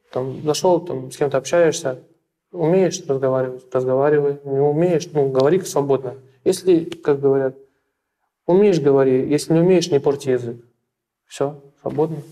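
Young man, dark mellow voice, halting. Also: mid-range voice. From Russia. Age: young adult. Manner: halting, repeats words, many fillers. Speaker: interviewee. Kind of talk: interview. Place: small plain room indoors.

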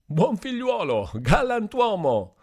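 A man voicing a boastful, drunk young man who shouts and slurs his words. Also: high-pitched, takes it slowly, husky, pitched above the performer's own voice, heavily acted. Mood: drunken. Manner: slurred, shouting, excitable.

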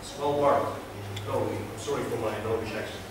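A young man from Kazakhstan gives a prepared speech to a club audience in a small meeting room, earnest and hesitant with many fillers, his mid-range voice brisk. Recorded by a distant camera with no mic, the audio is echoey and noisy.

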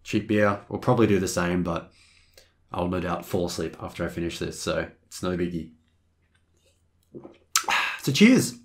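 A man's voice: low voice, expressive, measured pace, pauses often. A hungover man giving loose, rambling, joking, self-mocking casual commentary as he hosts a video game review.

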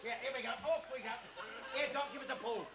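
Pleading sitcom patient, high voice, heavy tape noise. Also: male voice, fast, crowd noise. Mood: desperate. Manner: chummy, pleading, calls the doctor "Doc". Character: cheeky bedridden male hospital patient, desperate. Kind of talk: 1970s television sitcom acting. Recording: very noisy old TV recording.

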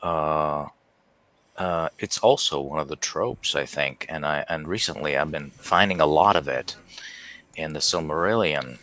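Very deep, bright-voiced middle-aged man. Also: a little slow. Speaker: guest on a livestream discussion. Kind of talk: casual reflective discussion. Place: indoor room at home, on a video call. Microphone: headset on a video call.

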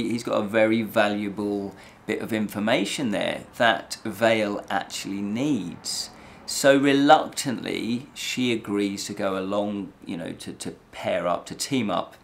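A man in his forties hosting a review show, talking to camera in an animated, emphatic, conversational way. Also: lowish voice, gravelly. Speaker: host of a fantasy review show. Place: small indoor room with fabric backdrop.

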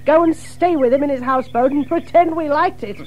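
A woman playing a genial, chatty water rat gentleman in a children's audio drama, with a chuckling manner and frequent "eh?" tags. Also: high voice, normal speed, close to an everyday voice. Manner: chuckling, ends phrases with "eh?".

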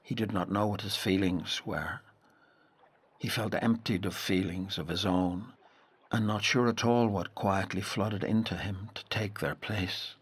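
An actor with a Northern Irish accent playing a grave narrator in a literary audio drama, telling the story in a measured way. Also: male voice, on the low side, steady tone, husky. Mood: hushed wonder. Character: grave male narrator recalling a boy's haunting encounter.

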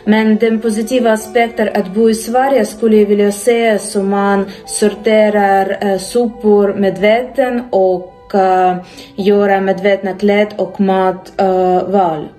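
A woman speaking slowly and hesitantly with many pauses, filmed in a small room. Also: medium pitch, little pitch movement, warm tone, faint music behind. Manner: slow, hesitant, many "eh" fillers. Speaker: interviewee, expat. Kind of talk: casual testimonial.

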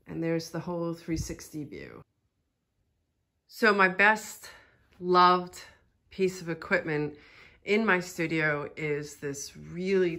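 Here a middle-aged woman, an artist from Philadelphia, United States, leads an informal studio tour and explains things chattily. Her Philadelphia American accent comes through in a low-pitched voice that's a bit bright.

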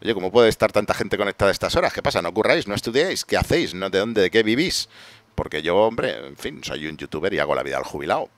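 Spanish man from Spain, tired live-stream gamer, very low voice that swings widely, joking and rambling, dry close sound. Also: very animated, quick pace, dry recording. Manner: joking, rambling, self-mocking banter with viewers. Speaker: gaming streamer. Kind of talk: casual live gameplay commentary.

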